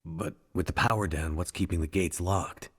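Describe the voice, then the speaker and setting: An actor playing a wary, battered captive pilot in a video game, terse and dry, with a gravelly, husky voice. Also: male voice, low voice, steady tone, moderate pace, a bit bright. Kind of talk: understated game cutscene acting.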